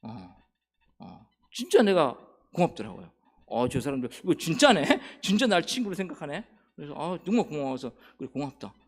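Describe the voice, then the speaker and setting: Middle-aged male missionary preacher, lively swooping delivery, acts out dialogue in a sermon story. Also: on the high side, normal speed, slightly rough. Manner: storytelling, acting out quoted dialogue. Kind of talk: sermon testimony.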